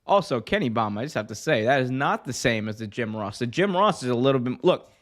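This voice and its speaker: A man's voice: mid-range voice, fairly quick. A man co-hosting a wrestling podcast, chatting casually and breaking into playful impressions, his voice a little strained. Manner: animated, breaks into mocking impressions. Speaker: podcast co-host.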